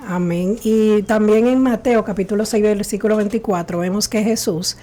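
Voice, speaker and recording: A woman co-hosting a Christian radio talk show. She speaks in a measured way, cites scripture and often adds amens. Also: mid-range voice, mellow. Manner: measured, affirming with frequent amens.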